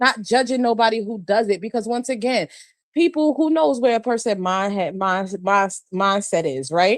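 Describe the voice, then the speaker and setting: The woman's pitch is fairly high. She speaks with lively intonation. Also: moderate pace. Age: 40s. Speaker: live stream host. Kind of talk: casual chat.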